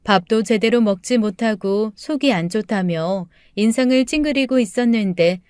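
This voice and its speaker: A woman reads a first-person story in a calm, steady way. Her voice sits a little high and sounds smooth and clear, recorded dry and close with no room sound. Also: normal speed, dry recording. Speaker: story narrator.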